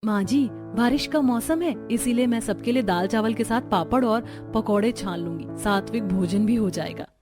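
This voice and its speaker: A woman's voice: on the high side, moderate pace, hardly any pauses, music in the background, close to an everyday voice. A woman doing a sensible young bride. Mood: earnest.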